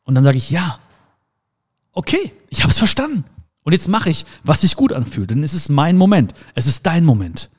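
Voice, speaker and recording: Guy doing a motivational talk, pretty high voice, keeps repeating his big lines. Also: very animated, moderate pace, slightly rough. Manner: emphatic, repeats key phrases. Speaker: motivational speaker.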